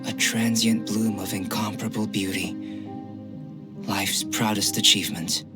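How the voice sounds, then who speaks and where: A man voicing a calm young male alchemist, curious and scholarly, who speaks in a measured, soft, philosophical way in game voice acting. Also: on the low side, natural voice. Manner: measured, softly spoken, philosophical. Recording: game audio with clear music behind.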